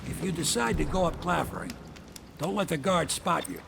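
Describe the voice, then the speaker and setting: An actor playing a weary, plain-spoken boatman in a video game, with a gravelly voice and a folksy, matter-of-fact manner. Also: fairly high pitch, expressive, moderate pace, background noise. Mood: wry, cautionary. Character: weary, plain-spoken boatman giving low-key briefings.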